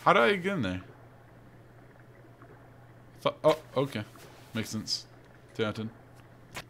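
A man's voice: mid-range voice, big pitch swings, measured pace, vocal fry, fairly bright tone. A man giving casual commentary on a video game he is playing, with wry, sarcastic asides. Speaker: let's player narrating and reading game dialogue aloud. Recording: game music behind the voice. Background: video game music.

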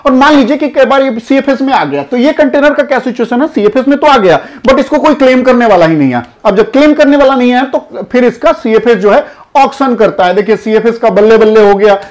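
Man, 30s, lively explainer, lapel mic, indoor studio, talks straight to viewers. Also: very high voice. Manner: energetic, gestures broadly, addresses viewers directly. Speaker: customs auction consultant and channel host. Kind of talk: explainer to camera in front of a screen. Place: indoor studio before a projected screen.

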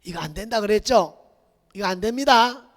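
A man preaching a Sunday sermon as pastor, swinging between shouted exhortation and hushed near-whispers. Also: high voice, expressive, moderate pace. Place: church sanctuary. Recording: reverberant church hall.

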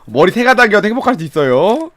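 A young man commentating a game he streams, excitable and playful, laughing, shouting and swearing as he goes. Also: high-pitched, fast. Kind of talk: casual gameplay commentary.

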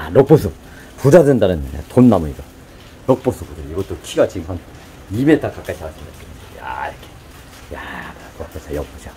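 A man's voice: low-pitched, dark tone, slight background noise. Folksy chuckling middle-aged man. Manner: folksy, chatty, repeats "like this" constantly, chuckles often. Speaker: host. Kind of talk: casual how-to talk on gardening and cooking. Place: home kitchen, earlier a vegetable field.

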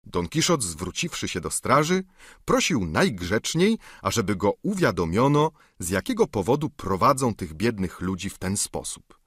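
A man narrating an audiobook classic in a measured storytelling manner. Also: fairly low pitch, big pitch swings, a bit bright, husky, dry recording, clean studio sound. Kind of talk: scripted narration.

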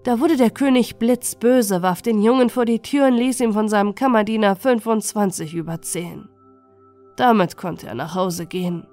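Gentle woman reading a bedtime fairy tale. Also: medium pitch, moderate pace, faint music behind. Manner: gentle, soothing. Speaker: storyteller. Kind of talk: calm bedtime storybook narration.

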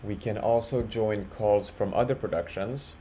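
A man presenting a casual software walkthrough, explaining step by step in a halting way. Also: fairly low pitch, fairly even intonation. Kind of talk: casual screen-share walkthrough. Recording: clearly audible background noise.

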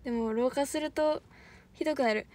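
A woman's voice: high-pitched, fairly quick, a little mellow. A young woman with a Kansai accent, chatting on a livestream as an idol trainee, rambling and laughing often while thanking viewers. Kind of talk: casual livestream chat.

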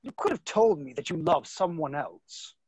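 A man's voice: fairly high pitch, expressive, normal speed, darkish tone, slightly rough, no room sound, clean studio sound. A man in his thirties playing an earnest, jealous, skeptical young viscount in a dramatic play reading. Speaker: actor in a virtual staged reading. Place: indoor room, video call. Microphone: video call microphone.

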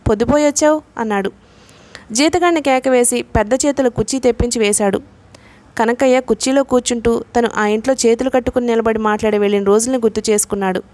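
A woman reading a novel aloud in a steady, measured way, voicing the dialogue herself. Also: fairly high pitch, no echo. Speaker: audiobook narrator.

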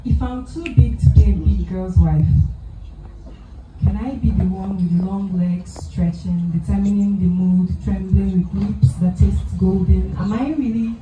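A young woman, possibly with a Nigerian English accent, performing spoken word poetry into a handheld mic in a lounge, soft and measured, building to emphatic lines. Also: mid-range voice. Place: small lounge venue, indoors. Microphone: handheld mic, filmed by phone from the audience. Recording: roomy, distant, loud music behind.

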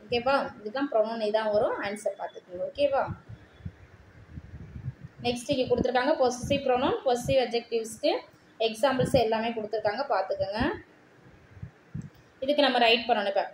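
A woman teacher with a Tamil accent goes through textbook answers, reading English sentences slowly and deliberately. Her voice sits a little high. The room is echoey, with a faint hiss underneath. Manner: mixes Tamil with English terms, reads English sentences slowly word by word.

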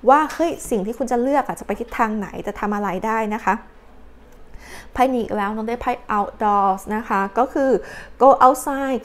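Chatty woman doing a tarot reading. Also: a little high. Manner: chatty, with polite particles and acted quotes. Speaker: tarot card reader. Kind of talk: casual spoken tarot reading.

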